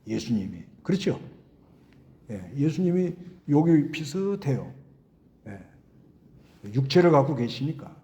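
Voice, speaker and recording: A man's voice: fairly high pitch, mellow, dull audio. A middle-aged male pastor giving a conversational sermon and putting questions to the congregation.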